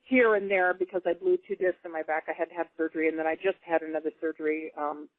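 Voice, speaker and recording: Woman on a call-in show, animated storyteller laughing a lot, tinny phone line, dry sound. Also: low-pitched, quick pace, dry recording. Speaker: guest telling encounter stories. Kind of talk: casual radio chat.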